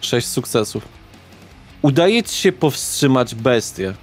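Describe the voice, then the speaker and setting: A man with a medium-pitched voice runs a horror tabletop game as its narrator. He speaks very slowly and leaves dramatic pauses. Soft guitar music plays behind him. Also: sing-song. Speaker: game master.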